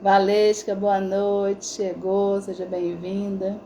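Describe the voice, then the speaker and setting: A middle-aged woman therapist speaks in a mellow, warm-toned voice at a middle pitch. She talks casually to viewers of a live stream, telling stories and checking in with frequent tag questions. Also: completely flat delivery, slow, a little hiss or hum. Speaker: integrative therapist.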